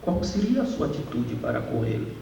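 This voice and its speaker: Passionate Bahian preacher in a hall. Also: male voice, fairly high pitch, big pitch swings, fairly quick, gravelly, dark tone. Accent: Bahian Portuguese. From Bahia, Brazil. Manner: storytelling, voice rises into passionate appeals. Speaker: guest preacher. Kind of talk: emotional sermon. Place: large cultural center hall. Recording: echoey hall, distant mic, faint hiss.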